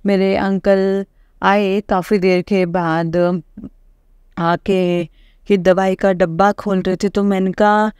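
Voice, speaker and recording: A middle-aged woman respectfully shares a personal testimony with a congregation, halting often and using many fillers. Her medium-pitched voice barely moves in pitch and is a little mellow, recorded cleanly in a studio without echo.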